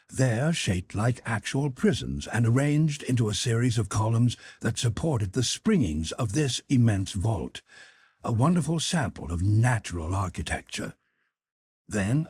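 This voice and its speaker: A man narrating a literary audiobook in a measured, expressive storytelling manner. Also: mid-range voice, breathy edge, no room sound.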